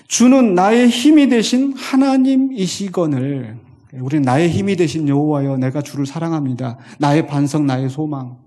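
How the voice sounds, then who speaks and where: A man preaching a Sunday sermon, reading scripture slowly and with feeling in an animated manner. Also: on the high side, vocal fry, slightly rough. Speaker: pastor.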